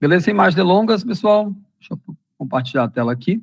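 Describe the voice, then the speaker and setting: Speaking in a Florianópolis accent, a man uses lively intonation at a moderate pace. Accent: Florianópolis (manezinho). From Brazil, Florianópolis. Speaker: SEO consultant and marketing professor. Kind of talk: webinar presentation. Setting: online webinar. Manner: casual, many fillers.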